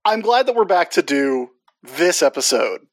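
Man, podcast co-host, dry-sounding close recording, animated and joking. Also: on the high side, normal speed, dry recording. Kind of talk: casual movie podcast chat.

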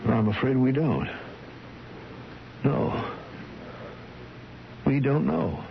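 Radio drama role: fretful middle-aged father, medium pitch, stammering with worry, muffled vintage sound with faint noise. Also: expressive. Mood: worried, halting. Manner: worried, halting, repeating himself. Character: anxious middle-aged father fretting over a sick woman. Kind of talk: old-time radio drama acting. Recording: dull vintage radio recording, faint hiss.

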